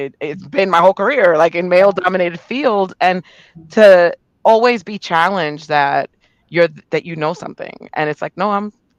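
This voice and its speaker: Ordinary pitch variation with a New York accent, in a dry, close sound with no echo. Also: woman. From New York City. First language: Spanish. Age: 60s. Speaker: personal growth coach. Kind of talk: casual interview.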